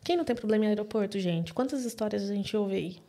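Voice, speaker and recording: A woman's voice: medium pitch, fast. A Brazilian woman with a Brazilian Portuguese accent, a podcast guest telling a story in casual talk and acting out the voices she quotes. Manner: animated, acts out quoted voices.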